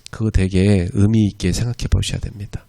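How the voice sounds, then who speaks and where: This man's voice is deep, steady, creaky and mellow, and a little fast. As a pastor leading an evangelism school, he gives a sermon lecture at a church, speaking conversationally and often checking in with the audience with "예" and "그죠?".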